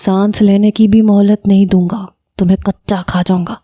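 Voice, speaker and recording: A woman's voice: mid-range voice, level tone, mellow, no room sound, dull audio, lightly acted. A woman voicing a mischievous young man who teases and mock-complains. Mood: mock-threatening.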